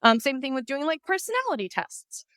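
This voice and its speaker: A woman podcast host from Iceland, chatting in a lively, talkative way with lots of asides. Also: sits high, fairly quick, no room sound. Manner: chatty, lively, talks through ideas with asides. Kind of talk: casual conversation.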